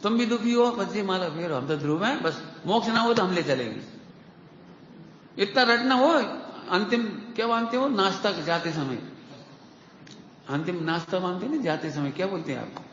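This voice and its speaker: A man giving a devotional sermon to a gathering, lively and questioning, repeating key phrases to his listeners. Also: sits high, normal speed. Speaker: Jain preacher. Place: large hall with an audience. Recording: echoey hall, dull lo-fi sound, faint hiss.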